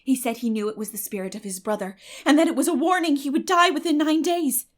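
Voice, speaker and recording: A woman's voice: high-pitched, quick pace, voice pushed up, close to an everyday voice. A woman voicing a terrified, imaginative little girl in a dramatic audiobook, breathless and melodramatic, with gasps and whispers. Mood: eager insistence. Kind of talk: dramatic audiobook character acting.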